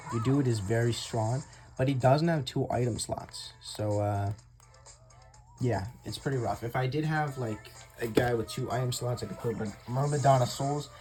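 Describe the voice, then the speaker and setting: A man's voice: mid-range voice, a little mellow. Chatty young man narrating gameplay. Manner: chatty, addresses viewers as guys, laughs often. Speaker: gaming YouTuber. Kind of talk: casual gameplay commentary. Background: faint game music.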